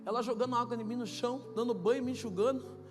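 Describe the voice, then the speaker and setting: A woman pastor with a Brazilian Portuguese accent gives an emotional testimony sermon, moving from quiet storytelling to shouted, half-sung preaching. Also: on the high side, fast. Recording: echoey hall with long reverb and loud music behind.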